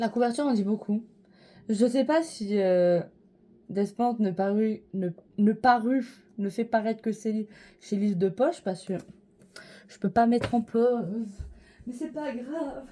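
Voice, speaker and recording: This woman talks at a fairly slow pace with a fairly high pitch, a dark, mellow tone, ordinary pitch variation, big swings in loudness and long, frequent pauses. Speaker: booktuber. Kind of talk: casual chat. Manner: talkative, hesitant.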